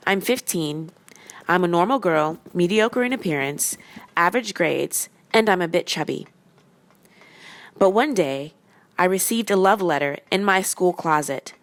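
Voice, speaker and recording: A woman narrating a first-person story in a casual, confessional manner. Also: fairly low pitch.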